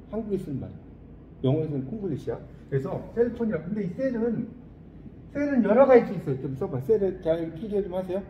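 A man teaching an English class, quizzing his students and reading English phrases slowly and deliberately. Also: sits high, roomy sound, lo-fi sound, a little hiss or hum. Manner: lively, quizzing students with questions.

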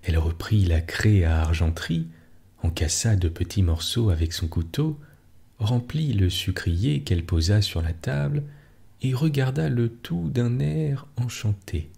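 A man reads a bedtime story in a hushed, soothing voice. His delivery is very slow, with a dark, gravelly, breathy low tone. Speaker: podcast storyteller.

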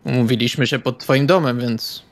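A man's voice: medium pitch, moderate pace. A man playing a tabletop role-playing game, describing his character's actions in a conversational way.

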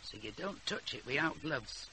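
An actress playing a sharp-tongued but fond old grandmother in a radio drama, with a Northern English accent and a wry, scolding manner. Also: low-pitched, expressive, moderate pace. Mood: exasperated. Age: older. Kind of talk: naturalistic radio drama acting. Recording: noisy radio drama recording.

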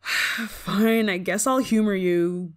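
A woman's voice: mid-range voice, fairly even intonation, takes it slowly, natural voice. A woman playing a prickly, homesick young performer in an ASMR roleplay, grudging in manner but secretly fond of an old friend. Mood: reluctant. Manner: tsundere, grudging, sighing, secretly affectionate. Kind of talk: ASMR roleplay, acted monologue to listener.

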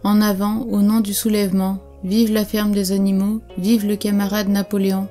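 A woman reading the part of a scheming male pig in a storybook, in a soft, hushed, mock-mournful delivery. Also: medium pitch, little pitch movement, moderate pace, faint music behind, natural voice.

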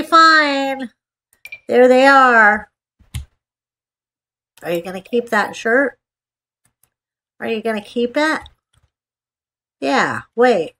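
A woman's voice: fairly high pitch, fairly bright tone. A woman with a slightly congested nasal voice giving casual, playful gameplay commentary, chatting to herself and repeating phrases. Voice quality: stuffed-up, congested nasal sound. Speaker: gaming video host. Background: voice-over for a screen-recorded game.

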